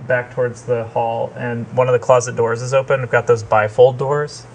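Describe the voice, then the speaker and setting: A man chatting casually over a call while sick with a sore throat, rambling and hesitant with many pauses. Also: mid-range voice, little pitch movement, gravelly, slight background noise. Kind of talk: casual chat. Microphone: remote call.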